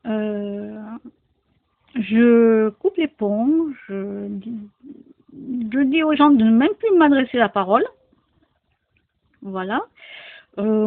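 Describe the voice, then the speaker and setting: Slow-talking woman, thin phone-like sound. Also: a little high. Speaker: vlogger. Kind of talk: casual personal talk to viewers.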